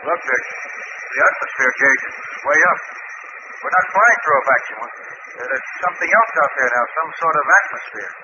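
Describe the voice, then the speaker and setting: An American actor playing an earnest, excitable spaceship crewman in a 1950s radio drama, recorded with dull, noisy sound. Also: on the high side, moderate pace, pauses often, natural voice. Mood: alarmed.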